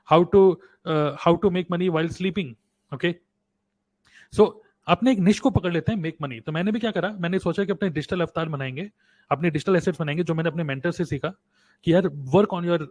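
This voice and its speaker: A man's voice: high-pitched, darkish tone, no room sound. A man from India hosting a live webinar on online earning in mixed Hindi and English, repeating key points and asking viewers to type answers in the chat, recorded on a desktop microphone. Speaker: webinar host and online business coach. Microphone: desktop USB microphone.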